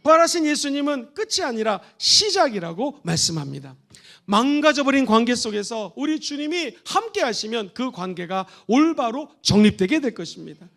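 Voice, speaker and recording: High-voiced fervent preaching pastor. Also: male voice, gravelly. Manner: fervent preaching, rising to shouted exhortations. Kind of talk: Easter sermon. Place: church sanctuary.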